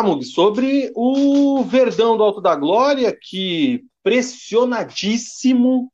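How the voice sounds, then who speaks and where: A man's voice: high voice, darkish tone, muffled recording. A Brazilian man co-hosting a casual sports podcast, reading standings and listener comments with a joking tone. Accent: Brazilian Portuguese. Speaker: podcast co-host.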